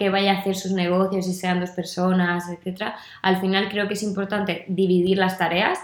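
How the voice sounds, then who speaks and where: A woman's medium-pitched voice comes with audible room echo. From Sweden, half Spanish. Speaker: online florist business co-owner. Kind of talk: casual interview chat. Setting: recorded live in person, shared mic.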